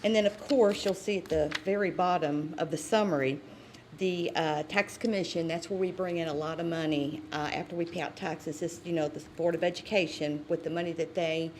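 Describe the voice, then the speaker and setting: Lady from the sheriff's office going over tax numbers, lowish voice, light room hum. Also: fairly even intonation, fairly quick, darkish tone. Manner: chatty, explains figures plainly, some stumbles. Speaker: sheriff's office staff presenting a tax settlement. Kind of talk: informal report at a public meeting.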